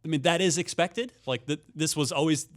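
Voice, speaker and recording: A man's voice: fairly high pitch, brisk. Man hosting a casual podcast. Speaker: podcast host. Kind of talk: casual gaming podcast chat.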